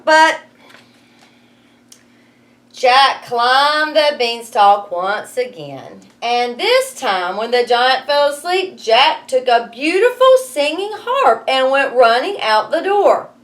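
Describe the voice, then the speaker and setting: A woman reads a storybook in a fairly high, very lively voice. She teaches as she goes, slipping in wry little asides to explain things. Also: slow pace. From United States. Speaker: schoolteacher reading aloud to students. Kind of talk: expressive storybook reading with asides.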